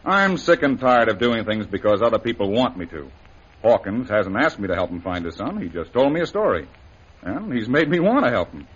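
A brisk, blunt adventurer hero in an old radio serial. His voice is husky and swings widely in pitch. The recording sounds muffled and dull. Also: very animated, fairly bright tone, exaggerated voice. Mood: earnest. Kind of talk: 1940s radio acting.

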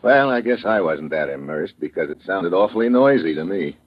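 A tough American agent, sardonic and impatient. The voice is low and husky with lively, swinging intonation, in the muffled sound of a vintage radio thriller. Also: male voice, brisk. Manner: hard-boiled, sardonic, blunt. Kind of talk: 1950s radio drama acting and narration. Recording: muffled old radio recording.

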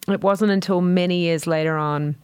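An energetic middle-aged woman with a New Zealand accent talks through her career in a candid, casual way. Her voice sits low for a woman. The sound is dry and close, with no room around it. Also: normal speed, clean tone, no room sound. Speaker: guest, company CEO. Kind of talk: casual storytelling.

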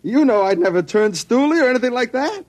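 An actor playing a nervous small-time crook in an old radio drama, stammering and jittery. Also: male voice, very high voice, big pitch swings, quick pace, no echo. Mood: pleading. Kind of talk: 1940s radio acting.

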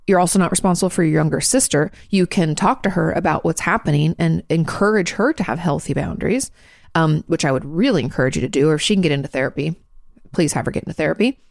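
A woman's voice: fairly low pitch, gravelly, darkish tone, dry recording, clean studio sound. A congested woman hosting a podcast, frankly answering listener questions in casual advice talk, full of fillers and restarts. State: congested, clearing her throat.

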